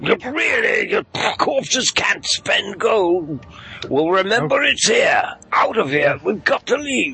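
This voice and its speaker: Putting on a character voice, a man speaks at a fairly slow pace in an extremely high pitch with very even loudness, over hissing and background music. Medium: actual play. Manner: indignant, screaming.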